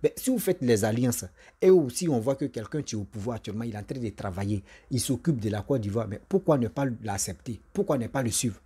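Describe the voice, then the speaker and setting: Husky Ivorian man presenting commentary. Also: medium pitch, animated, quick pace, warm tone. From Ivory Coast. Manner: repetitive, emphatic, addresses viewers directly. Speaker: online video commentator and presenter.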